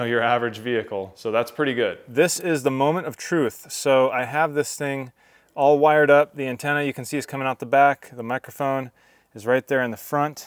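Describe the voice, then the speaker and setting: A man's voice: mid-range voice, clean tone, dry recording. A man vlogging in a casual, chatty way, explaining things informally as he does a hands-on demo. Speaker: vlog host.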